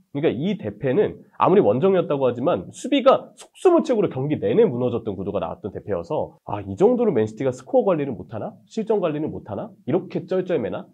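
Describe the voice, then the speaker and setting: A man's voice: medium pitch, breathy edge, muffled recording. A man working as a football commentator, giving interview answers in an analytical style and asking rhetorical questions. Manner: fast, animated analytical delivery with rhetorical questions.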